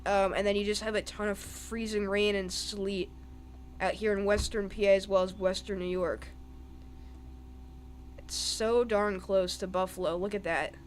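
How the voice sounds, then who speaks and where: Speaking at a normal pace in a high voice with little pitch variation, a young man streams live weather commentary. He muses over the radar with lots of ums and false starts, against a faint hiss or hum.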